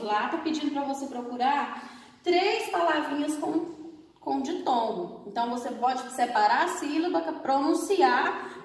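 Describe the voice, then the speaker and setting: Slow, expressive teacher woman, echoey room. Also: high-pitched. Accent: Brazilian Portuguese. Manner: slow, drawn-out, over-enunciated explanation with frequent check-ins. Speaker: primary school teacher. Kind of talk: recorded grammar lesson for children. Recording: echoey room, distant from the mic.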